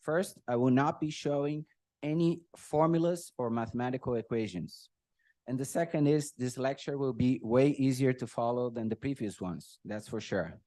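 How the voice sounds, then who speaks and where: A man's voice: mid-range voice, normal speed, warm tone, dry recording. Emotional middle-aged man. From Brazil. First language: Portuguese. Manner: emotional, often clears his throat, self-deprecating humor. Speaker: speaker at a birthday tribute. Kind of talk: personal tribute speech with jokes.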